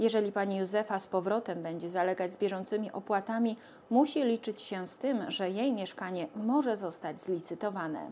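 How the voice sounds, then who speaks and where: A woman speaks fairly quickly at a medium pitch, with a dark, mellow tone and ordinary pitch variation. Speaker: TV news reporter. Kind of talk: scripted narration.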